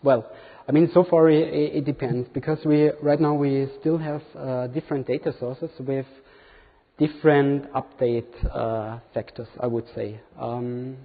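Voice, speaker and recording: A man's voice: mid-range voice, fairly even intonation, unhurried. A man in his thirties, not a native English speaker, giving a hesitant demo talk with many fillers in a large conference hall. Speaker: conference presenter. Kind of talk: live product demo talk. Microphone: room recording from far camera. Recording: tinny, reverberant hall from far off.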